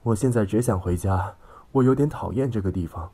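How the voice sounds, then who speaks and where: A man's voice: on the low side, a little fast, dark tone, voice pushed up. A man voicing an impatient, complaining young son in an audiobook story, whiny and snappish. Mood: grumbling.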